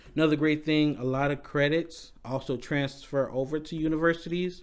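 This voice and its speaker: A man speaks with fairly even intonation. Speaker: podcast host. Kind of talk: solo podcast monologue. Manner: halting, many fillers and restarts.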